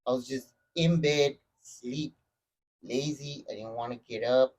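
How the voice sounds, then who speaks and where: A man in a casual podcast chat, telling his story in a halting, roundabout way and swearing now and then. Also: mid-range voice, steady tone, darkish tone, low-quality recording. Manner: halting, many fillers and restarts, swears. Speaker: podcast guest.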